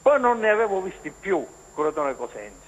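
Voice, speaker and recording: A man's voice: high voice, very animated, normal speed. A male journalist heard over the phone, giving casual sports commentary in a rambling way with many restarts and fillers. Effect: heard over a phone line. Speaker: journalist phoning in to a TV sports show. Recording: echoey hissing phone line.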